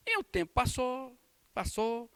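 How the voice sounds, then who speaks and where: A man's voice: extremely high pitch, very animated, a little slow, smooth, no echo. A man with a Brazilian Portuguese accent teaching a Sunday school lesson as pastor, telling a story and acting out the lines people said. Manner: storytelling with acted-out quotes and warm laughs. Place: church.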